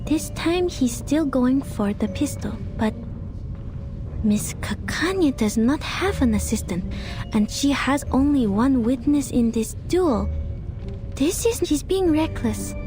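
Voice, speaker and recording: An actress playing a nervous, earnest young assistant investigator who hesitates and frets to herself, in video game style. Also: female voice, high-pitched. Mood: pensive, concerned. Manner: hesitant, anxious self-talk with broken-off thoughts. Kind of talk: dramatic video game voice acting. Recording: music behind the voice.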